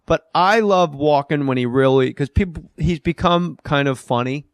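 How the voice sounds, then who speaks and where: A man hosting a comedy podcast, teasing his guest in quick, profane banter. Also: a little high, no room sound, studio quality. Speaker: podcast host. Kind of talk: casual comedy podcast chat.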